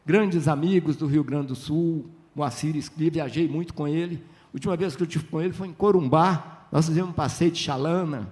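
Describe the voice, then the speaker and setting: A man's voice: a little high, brisk, hardly any pauses. An older man from Minas Gerais, telling chatty stories as a writer on a literary festival panel, often acting out dialogue. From Minas Gerais, Brazil. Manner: lively, chatty, tag questions, acts out dialogue.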